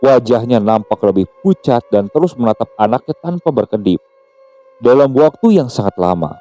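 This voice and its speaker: A man narrating a scripted horror story in a steady, measured way. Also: mid-range voice, no echo. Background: faint music.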